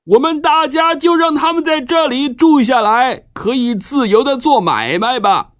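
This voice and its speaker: A man voicing a persuasive tribal chief addressing townsmen in a drawn-out, declamatory way for a children's Bible story. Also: extremely high pitch, animated, fairly bright tone, voice pushed up, exaggerated voice. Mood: persuasive, hearty.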